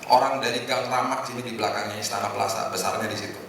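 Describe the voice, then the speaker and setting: A middle-aged man preaching informally to a congregation in a conversational, joking way, with hesitant pauses. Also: mid-range voice, fairly even intonation, fairly bright tone. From Indonesia. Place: large echoing indoor hotel hall. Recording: echoey hall, distant mic, noisy room.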